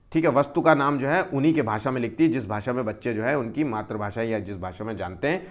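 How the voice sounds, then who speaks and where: A young man teaching exam-prep questions, explaining each answer step by step and repeating key terms. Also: medium pitch. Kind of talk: Hindi exam-prep lesson.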